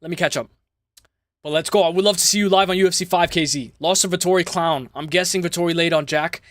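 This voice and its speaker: High-pitched, slightly raspy male streamer. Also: fairly even intonation, fast, a bit bright, no room sound, studio quality. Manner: slangy, chummy, repeats phrases, addresses viewers by name. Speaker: host of a live MMA preview stream. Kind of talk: casual livestream chat and fight commentary.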